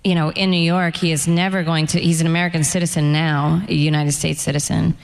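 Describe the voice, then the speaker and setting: A woman's voice: low voice, little pitch movement, a little fast, creaky, slight background noise. A middle-aged woman novelist speaking candidly on stage about her life and work, with wry humor. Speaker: novelist being interviewed. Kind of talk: onstage author conversation. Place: event stage before an audience. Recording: echoey hall, long reverb.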